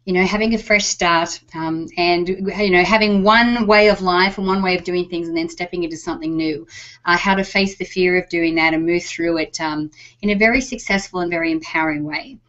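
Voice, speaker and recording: A woman's voice: on the low side, fairly even intonation, fairly quick. A woman hosting an interview show, talking casually with lots of fillers. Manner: warm-up chatter with many fillers like um and you know. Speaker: show host. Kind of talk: conversational interview. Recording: dull lo-fi recording.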